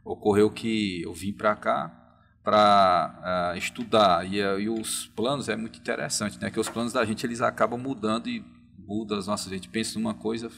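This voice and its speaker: A man's voice: on the low side, steady tone, normal speed, gravelly, fairly bright tone, slight background noise. A man, answering as a guest professor in a podcast interview, hesitant and tagging his sentences with questions. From Piauí, Brazil. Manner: hesitant, frequent tag questions.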